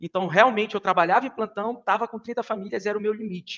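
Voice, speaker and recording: Over a quiet background, a man speaks with ordinary pitch variation in a dry, close sound with no echo. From Brazil, Belém do Pará. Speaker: physician. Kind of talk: casual interview.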